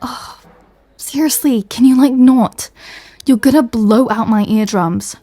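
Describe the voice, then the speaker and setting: A woman's voice: a little high, takes it slowly, mellow, husky, no room sound, heavily acted. A woman playing a sardonic, fed-up superhero in a comedy audio roleplay, speaking in a dry way. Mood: annoyed. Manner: dry, irritated, sarcastic.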